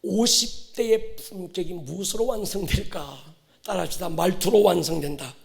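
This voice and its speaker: A man in his fifties preaching to a congregation as a pastor, exhorting them with swings between hushed asides and forceful declarations. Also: high voice, normal speed, vocal fry. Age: 50s. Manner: prompts listeners to respond and repeat. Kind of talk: fervent sermon to a congregation.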